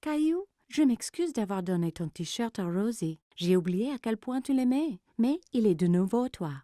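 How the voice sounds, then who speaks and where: A woman voicing a gentle, reassuring young mother in a children's cartoon, speaking encouragingly. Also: fairly high pitch, animated, normal speed, no room sound, clean studio sound, close to an everyday voice. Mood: tender, apologetic.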